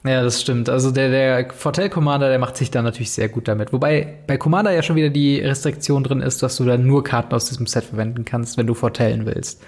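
A man's voice: mid-range voice, fairly even intonation, fast, hardly any pauses, darkish tone. A man co-hosting a casual podcast, talking hesitantly with many fillers and often agreeing. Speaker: podcast co-host. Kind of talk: casual podcast chat about card games.

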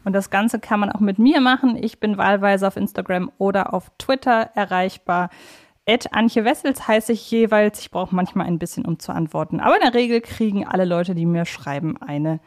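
A woman's voice: medium pitch, moderate pace. A woman hosting a podcast interview in a chatty, conversational style. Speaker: podcast host.

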